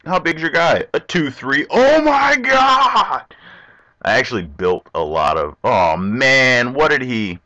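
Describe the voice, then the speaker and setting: A man's voice: mid-range voice, measured pace, few pauses. A young man casually commentating his online card game, chatty and talking to his opponent. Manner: chatty, animated, talks to himself and the opponent. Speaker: gameplay commentator. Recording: dull lo-fi recording.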